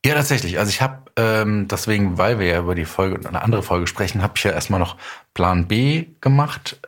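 A man's voice: lowish voice, expressive, a little fast. A middle-aged man telling career anecdotes in a casual interview, acting out bits of quoted dialogue as he goes. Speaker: guest, audio drama writer and director.

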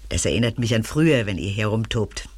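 Older landlady, audio drama, down-to-earth, warm, slightly resigned, animated intonation, dry studio. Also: rumbling low, fairly quick, slightly rough, dry recording, heavily acted. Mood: composed, reminiscing. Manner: composed, dignified, slightly resigned. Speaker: radio play actress. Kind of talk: German audio drama acting.

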